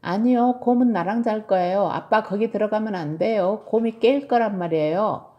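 A woman's voice: medium pitch, moderate pace, highs cut off, natural voice. A woman voicing a stubborn young girl, scolding and emphatic, in a storybook read-aloud. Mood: insistent. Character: young girl, bossy and stubborn with her bear.

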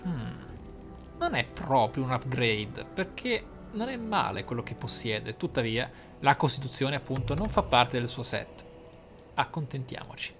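A man commentating his game playthrough, thinking aloud in a deliberate, theatrical way with dramatic pauses. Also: medium pitch, animated, fairly bright tone. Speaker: gaming YouTuber, player. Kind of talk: game playthrough commentary with role-play musing. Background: game music.

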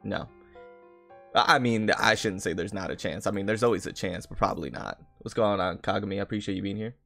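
A man's voice: fairly low pitch, fairly quick, gravelly, pushed and bright. A man live streaming in a casual, chatty way, greeting viewers and often repeating his phrases. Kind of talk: casual gaming livestream chat, greeting viewers. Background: background music.

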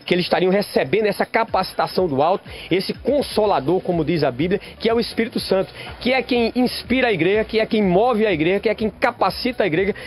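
A man in his forties, a pastor and event organizer, speaking in a live TV interview at an outdoor venue in a measured, explanatory and inviting way. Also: high-pitched, animated. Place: outdoor event venue under a large tent roof. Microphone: handheld reporter microphone.

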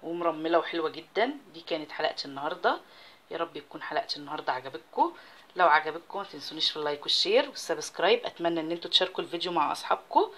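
Egyptian woman cooking host, lowish voice, quick, chatty demo while she works. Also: lively intonation, a bit bright. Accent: Egyptian Arabic. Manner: chatty, talks while working with her hands. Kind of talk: casual recipe demonstration.

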